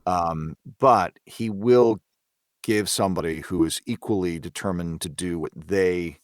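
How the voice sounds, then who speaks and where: A man speaking as an interview guest, thinking aloud in a halting, reflective way with repeated words. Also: low-pitched, no room sound, clean studio sound. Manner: hesitant, thoughtful, halting delivery with repeated words.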